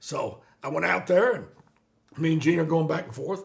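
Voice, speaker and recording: In a Southern US accent, a man delivers his words at a fairly quick pace. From US South. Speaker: retired wrestling manager. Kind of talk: casual interview.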